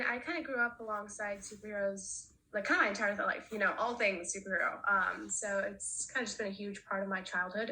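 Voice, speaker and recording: A woman's voice: medium pitch, bright, forceful tone, poor audio. A young woman, an actress speaking as a panel guest, chatty and giggly with many fillers. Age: young adult. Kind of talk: panel discussion.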